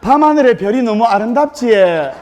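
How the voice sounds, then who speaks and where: Man putting on a young bride, Gyeongsang accent, loud calls, pleading, high. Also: expressive, brisk. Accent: Gyeongsang dialect.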